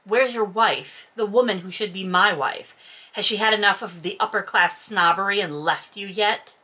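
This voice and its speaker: A woman's voice: medium pitch, moderate pace, pushed and bright. A woman reading the part of an arrogant, swaggering male rival in a romance novel, smug and taunting.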